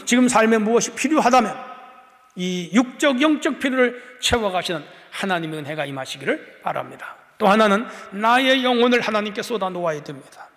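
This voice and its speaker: A male pastor preaching an impassioned sermon, swinging between hushed and raised passages. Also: sits high. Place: church sanctuary. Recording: long church hall reverb.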